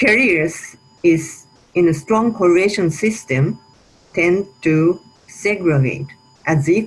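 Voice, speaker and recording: Speaking very slowly with long, frequent pauses, a woman's somewhat breathy voice carries lively intonation. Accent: Japanese. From Japan, Kobe. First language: Japanese. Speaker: physics professor. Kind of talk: lecture. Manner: halting.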